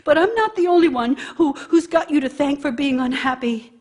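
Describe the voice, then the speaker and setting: A woman's voice: high voice, lively intonation, moderate pace, a little mellow. An actress playing a bitter, nagging working wife who scolds her idle husband with scorn and sarcasm in a radio drama monologue. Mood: accusing, angry.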